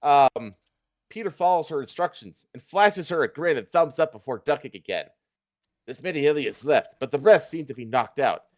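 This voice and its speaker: A man with a fairly high, lively voice reads fan fiction aloud on a stream. He is irreverent, stumbles and rereads, and breaks off for offhand asides. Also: normal speed, no room sound. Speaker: streamer, host. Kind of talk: live fan fiction reading with offhand comments.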